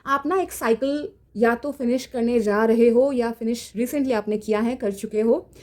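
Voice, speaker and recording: A woman giving a casual tarot reading in a gentle, reassuring way, slipping into English phrases. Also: fairly high pitch. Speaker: tarot reader. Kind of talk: casual spiritual guidance. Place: home room.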